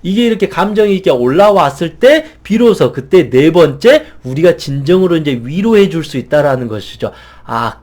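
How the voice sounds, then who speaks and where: Middle-aged guy giving a gentle lecture, soothing talk, fairly high voice that swings up and down a lot. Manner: slow, soothing counting and gentle guided speech; speaks in soft consoling phrases to an imagined child. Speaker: meditation and inner-child lecturer. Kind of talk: calm instructional lecture.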